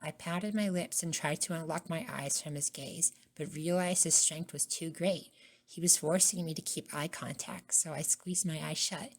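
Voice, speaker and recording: A woman narrating a scripted first-person ASMR story in a soft-spoken way. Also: deep voice, normal speed. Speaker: narrator and voice actor.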